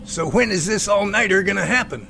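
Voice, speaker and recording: Folksy, gravelly professor played by a man. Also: high voice, animated, noisy background. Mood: curious. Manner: folksy, colloquial, drawn-out remarks. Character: earnest, folksy male professor, grateful and inquisitive. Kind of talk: amateur audio drama acting.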